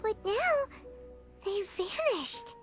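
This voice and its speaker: A woman voicing a tiny, anxious, childlike fairy companion with a squeaky voice in a video game. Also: sing-song, slow, music in the background, exaggerated voice. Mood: puzzled, uneasy.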